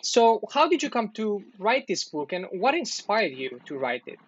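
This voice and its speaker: A man hosting an interview, speaking in a measured way with many hesitant ums. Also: sits high, sing-song, background noise. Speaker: podcast host. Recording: dry, dull lo-fi sound.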